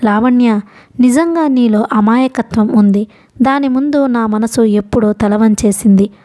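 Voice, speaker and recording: A woman voicing a guarded young man who reasons gently and earnestly, in an audiobook. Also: extremely high pitch, measured pace. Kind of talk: audiobook character reading.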